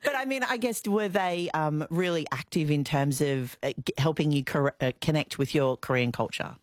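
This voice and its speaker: A low-voiced woman hosts a radio interview. She chats easily, tossing in quick asides and murmured mm-hmms. The studio sound is dry and close. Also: no echo. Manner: chatty and warm-toned, with quick asides and many mm-hmms. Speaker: radio host.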